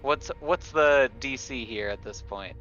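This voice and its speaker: A man plays a tabletop game, speaking slowly in a bright, forward voice. He thinks out loud hesitantly, and the slightly lo-fi audio has music underneath. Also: mid-range voice. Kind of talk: casual game chat.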